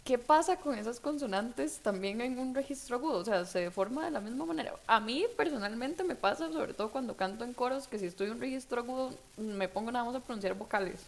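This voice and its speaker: A woman's voice: fairly high pitch, fast talker, hardly any pauses. A woman interviewer asking curious questions over a video call, thinking aloud as she goes.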